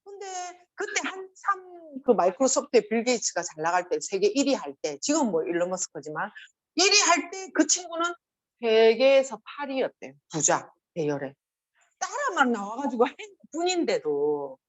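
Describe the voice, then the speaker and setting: Animated husky woman with a Gyeongsang accent. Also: on the high side, moderate pace. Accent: Gyeongsang Korean. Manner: animated, acts out quoted voices. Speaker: motivational speaker. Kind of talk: motivational seminar talk.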